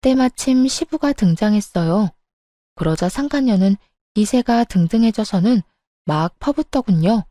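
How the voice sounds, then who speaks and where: Mellow-voiced woman narrating a story. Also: mid-range voice, animated, normal speed, no echo, clean studio sound. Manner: indignant, confiding storytelling. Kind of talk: scripted first-person story narration.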